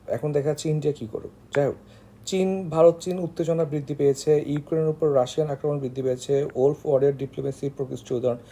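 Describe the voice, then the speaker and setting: A man with a Bangladeshi accent teaches informally in a very dark, soft-edged voice that sits slightly high and turns creaky. He explains step by step in a halting way, leaning on filler phrases. A faint noise sits behind him. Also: fairly even intonation. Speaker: online tutor for job exam candidates.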